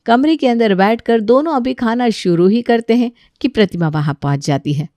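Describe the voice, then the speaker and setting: A woman narrating a bedtime story in a calm, even storytelling way. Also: on the high side, normal speed, no room sound.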